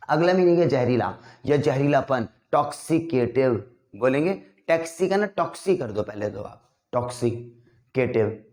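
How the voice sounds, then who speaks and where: A man's voice: fairly high pitch, darkish tone. A man teaching an English vocabulary lesson to a class, drilling words by repeating them and checking in with his students.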